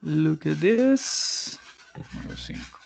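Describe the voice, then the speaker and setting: A man's voice: a little high, lively intonation, slow pace, vocal fry, a little mellow, no room sound. A male English teacher explaining grammar in an online class, patiently going step by step and often checking in with his students.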